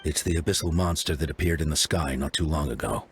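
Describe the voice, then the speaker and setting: An actor playing a grave, composed tribal leader in a video game, speaking in a formal, measured way. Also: male voice, extremely low pitch, a little hiss or hum. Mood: grave, explanatory. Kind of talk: scripted game voice acting.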